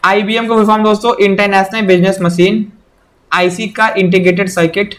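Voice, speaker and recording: A man's voice: high-pitched, level tone, fairly quick, a bit bright. A young man teaching an exam-prep lesson, who keeps repeating "okay" and "remember this" in a direct, instructive way. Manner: repeats "theek hai" and "yaad rakhiyega" often, direct instructional.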